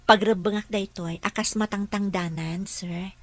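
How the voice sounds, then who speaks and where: A woman playing a patient, dutiful mother and caregiver in an Ilocano radio drama, gentle and apologetic. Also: mid-range voice, steady tone, measured pace, natural voice.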